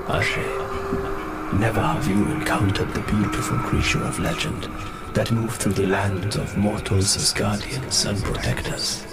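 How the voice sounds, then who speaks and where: An actor playing an ominous ancestral spirit, giving solemn, portentous warnings in a horror audio drama. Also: male voice, fairly low pitch, little pitch movement, measured pace. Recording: loud music over the voice.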